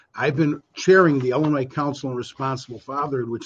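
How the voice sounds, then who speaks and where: Here a man speaks in a Chicago accent at a medium pitch. His voice is somewhat breathy, with ordinary pitch variation. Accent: Chicago American. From Chicago, US Midwest. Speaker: family lawyer. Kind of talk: panel discussion. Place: home room. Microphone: video call.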